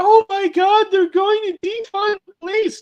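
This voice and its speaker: A put-on character voice at an extremely high pitch. It moves at a fairly slow pace with monotone, flat intonation. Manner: scared, panicked.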